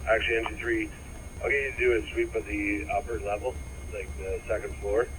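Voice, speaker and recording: A man's voice: lowish voice, little pitch movement, brisk. A man working as a fire incident commander, speaking in terse, procedural phrases over a two-way radio. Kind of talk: firefighter radio dispatch traffic. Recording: very noisy, clicking firefighter radio channel.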